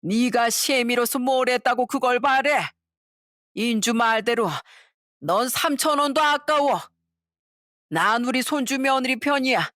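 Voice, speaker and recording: A woman voicing a fierce grandmother-in-law over ninety who shouts commands, in a dry recording. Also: fairly high pitch, measured pace, dry recording, voice pushed up. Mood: scornful.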